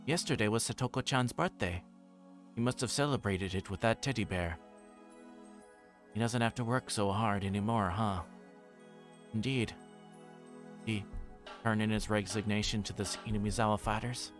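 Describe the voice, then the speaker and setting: A man's voice: on the low side, normal speed, pauses often, faint music behind. A man livestreaming a visual novel, reading the story aloud as narration with his own asides and voicing the dialogue. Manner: voices characters' dialogue while reading.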